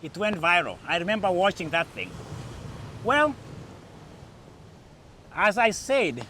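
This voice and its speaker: Bright, high-voiced Kenyan man. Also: sing-song, takes it slowly. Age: middle-aged. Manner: emphatic, storytelling, repeats phrases for effect. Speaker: podcast host. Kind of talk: informal spoken commentary to camera. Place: outdoors in a natural setting. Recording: outdoor recording with background noise.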